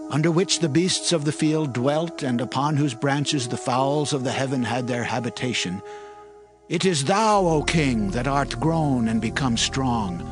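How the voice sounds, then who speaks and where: A man's voice: fairly high pitch, natural voice. An actor playing an earnest, respectful prophet who solemnly counsels his king in a dramatized scripture reading.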